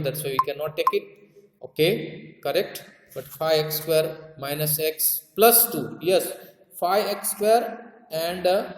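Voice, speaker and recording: A man with a South Asian accent teaching a maths lesson, repeating key terms and checking understanding with tag questions. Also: fairly high pitch. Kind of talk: classroom lesson explanation. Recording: echoey room with long reverb.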